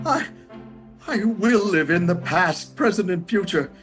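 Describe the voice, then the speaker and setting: Guy doing an old miser pleading his heart out, high voice, theatrical radio play, music behind. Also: full character voice. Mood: joyful relief. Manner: imploring, emotional, theatrical. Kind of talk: theatrical radio drama acting.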